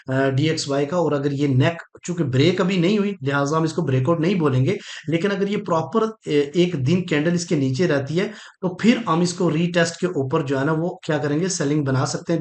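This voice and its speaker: A man's voice: fairly high pitch, reverberant. A man explaining market charts step by step, with many fillers and checking in with his viewers as he goes. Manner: explanatory, frequent fillers and "theek hai?" check-ins. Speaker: trading analyst. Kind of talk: market analysis walkthrough.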